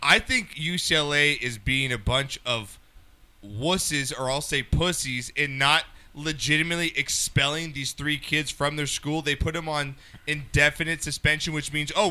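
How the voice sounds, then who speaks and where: A man with a very sharp, forceful voice, pitched a little high. He co-hosts casual sports talk and speaks bluntly, with plenty of slang. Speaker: sports talk show co-host. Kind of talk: casual, profane sports banter.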